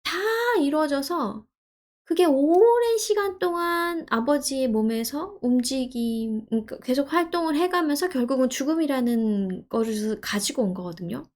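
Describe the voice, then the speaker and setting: A woman giving gentle, soothing advice, speaking softly and letting her phrases trail off quietly. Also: high-pitched, expressive, normal speed. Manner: gentle, soothing, acts out inner speech in quotes. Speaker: counselor answering a viewer's question. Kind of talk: advice talk to camera.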